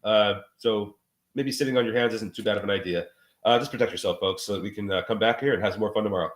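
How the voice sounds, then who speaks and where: A low-voiced man who is sick and sounds muffled, as if he were speaking through a wall. He talks about trades in a halting, casual way, full of uh's and restarts, over roomy remote audio. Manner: halting, with many uh fillers and repeats. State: sick, under the weather. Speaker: regular market commentator. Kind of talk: casual trading talk on a live show.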